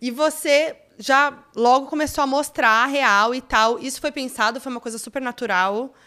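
A woman's voice: high-pitched, steady tone, normal speed, sharp tone. A woman, hosting an interview, chatting casually and chiming in supportively. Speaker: interview host.

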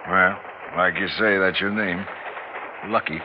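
An actor playing a gruff old Alaskan mountain man and prospector, folksy, wry and stubborn, in an old drama. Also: deep voice, fairly even intonation, measured pace. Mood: stern, unhurried. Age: older. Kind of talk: old broadcast drama acting. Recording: muffled, noisy old drama soundtrack.

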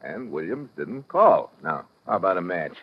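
An actor playing a cool, tough American special agent in a 1950s radio drama, speaking tersely in wisecracking slang. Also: male voice, low voice, very animated, moderate pace. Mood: wry, relaxed. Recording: muffled, noisy vintage radio recording.

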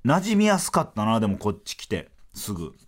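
A man's voice: lowish voice, a little fast. A man with a Kansai accent hosting a podcast, telling stories in casual comedian banter and often breaking into laughter. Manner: animated storytelling, bursts of laughter. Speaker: podcast host.

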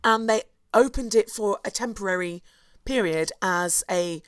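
A hoarse woman, co-hosting a podcast and chattily telling a history story, with asides and restarts. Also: medium pitch, unhurried, slight background noise. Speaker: podcast co-host. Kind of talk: casual chat, storytelling history.

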